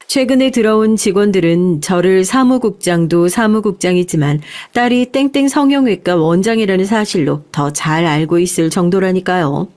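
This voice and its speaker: A woman's voice: medium pitch, a little mellow. A woman reading a scripted first-person story in a conversational, confiding way, as a storyteller addressing listeners politely.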